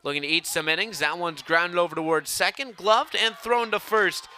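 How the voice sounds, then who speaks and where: Young male sportscaster, live play-by-play, sharp ringing tone, projected delivery, faint venue ambience. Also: high-pitched, normal speed. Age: young adult. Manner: projected, excited on big plays. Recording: faint ambient outdoor noise behind.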